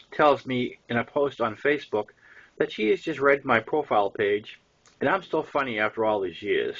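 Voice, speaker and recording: Husky older man with a Boston accent. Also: mid-range voice, fairly bright tone, muffled recording. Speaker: author reading his own novel. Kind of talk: first-person audiobook narration.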